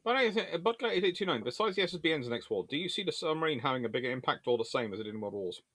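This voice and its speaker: A man's voice: fairly high pitch, expressive, very fast, a bit bright, slightly rough, no echo. A man hosting a casual question-and-answer session, rambling and hesitant as he thinks aloud. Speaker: host answering viewer questions.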